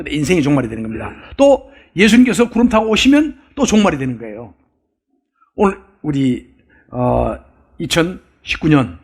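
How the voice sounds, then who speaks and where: A man's voice: on the high side, creaky, slightly rough. A male pastor giving a sermon, telling folksy jokes and asking the congregation questions as he preaches. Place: church sanctuary.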